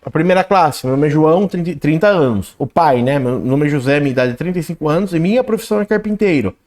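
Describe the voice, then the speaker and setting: A man teaches programming in a screen-recorded coding lesson. He explains as he types and reads the output aloud, often adding a quick "né?". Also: fairly high pitch, expressive, darkish tone. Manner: talks while typing code, reads output aloud, frequent "né?" and "ok?". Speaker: programming instructor.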